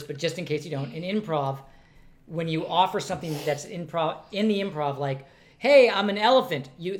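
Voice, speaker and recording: A middle-aged father hosting a family podcast, talking loudly and joking. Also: high voice. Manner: loud, joking storyteller. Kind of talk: casual family podcast chat.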